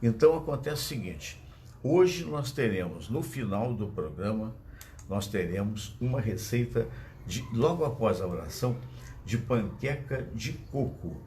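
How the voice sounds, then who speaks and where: A Brazilian-accented man hosts a live show in a fairly low voice. He talks in a loose, digressive way and turns often to address his audience directly. He speaks into a phone that he uses as his microphone. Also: expressive, measured pace, darkish tone, slight background noise. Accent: Brazilian Portuguese. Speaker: host. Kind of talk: casual live show commentary. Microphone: phone used as microphone.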